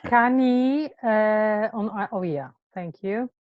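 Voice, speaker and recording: A woman's voice: medium pitch, slow pace, narrow, tinny audio, noisy background. A woman with a Polish accent leading an online group call, speaking hesitantly with many fillers. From Poland. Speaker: facilitator. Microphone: video call.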